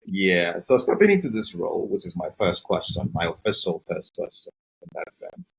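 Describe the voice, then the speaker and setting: Deep-voiced, husky male podcast host. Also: very animated, moderate pace, rough recording. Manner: friendly, rambling, many fillers. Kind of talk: interview questions.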